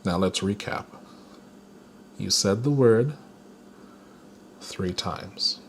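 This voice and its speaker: Male spiritual teacher, unhurried, mid-pitched, faint hiss behind him. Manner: slow, deliberate, with playful chuckles. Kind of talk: guided spiritual lesson.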